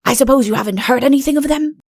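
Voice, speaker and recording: A genial, self-important king from a fairy-tale audiobook, acted out by a woman. He blusters and rambles like a doting father, with a creaky edge to the voice. The sound is dry and close. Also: high-pitched, fast, darkish tone, no echo, voice pushed up. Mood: genial, fussy. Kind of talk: audiobook character voice.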